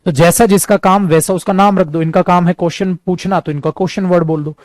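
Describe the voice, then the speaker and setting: A lively male teacher from India runs a spoken English lesson, mixing Hindi and English as he talks to his students like friends. His voice sits fairly high, and he drags out each English example sentence slowly so the class can follow. The sound is dry and close, with no room echo. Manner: switches freely between Hindi and English, addresses students as friends. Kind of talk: classroom lesson, explaining at a board.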